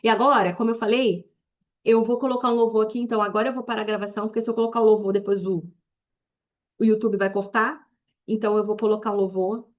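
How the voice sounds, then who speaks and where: A woman's voice: mid-range voice, steady tone, fast. A woman leading a fiery, spontaneous women's prayer meeting, repeating her points emphatically with casual asides. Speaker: women's group prayer leader.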